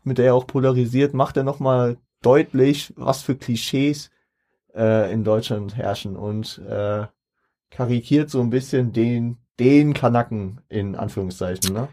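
A young man co-hosts a loose podcast conversation, circling his points with frequent restarts and fillers. His voice has a dark, mellow tone. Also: mid-range voice, measured pace. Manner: rambling, many restarts and fillers. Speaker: podcast co-host. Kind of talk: casual chat about rap.

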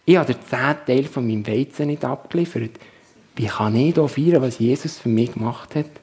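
A man's voice: medium pitch, moderate pace, darkish tone, lightly acted. A man playing a contrite village farmer, talking plainly and earnestly.

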